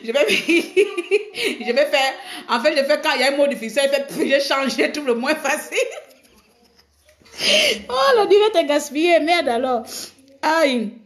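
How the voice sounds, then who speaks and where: A woman's voice: sits high, sing-song, measured pace. A middle-aged woman from Gabon, chatting casually on a live stream, teasing her viewers and laughing often.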